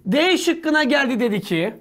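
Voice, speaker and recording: A male teacher giving an energetic, joking grammar lecture in a slangy manner, now and then bursting into shouts. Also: very high-pitched, a little slow.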